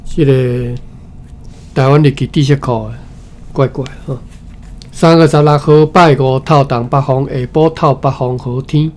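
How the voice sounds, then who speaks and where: A man's voice: medium pitch, steady tone, a little mellow. Taiwanese man reading aloud, noisy recording. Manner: halting, repeats and corrects phrases as reading. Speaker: presenter of a historical document study session. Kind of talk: reading a historical text aloud with informal asides. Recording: clearly noisy recording with background ambience.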